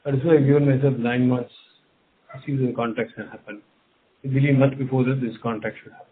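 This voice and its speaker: A man's voice: mid-range voice, fairly even intonation, fast talker. A man with an Indian accent, a company executive giving unscripted answers on an investor call, often repeating and rephrasing his phrases. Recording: narrow phone line, clear background noise.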